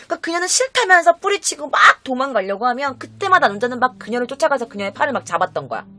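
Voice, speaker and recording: A woman host telling a true-crime story in a casual, animated way, speaking directly to her viewers. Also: high-pitched, racing, soft background music. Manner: animated, acts out quotes, addresses viewers.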